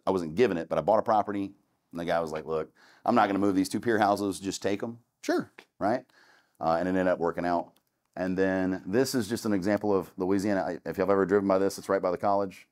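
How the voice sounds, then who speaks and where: A man's voice: sits low, fast talker, a little mellow. A man, casually and candidly talking a student audience through his start in real estate, with many restarts. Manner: candid and conversational, with many restarts and "long story short". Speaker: real estate investor giving a talk.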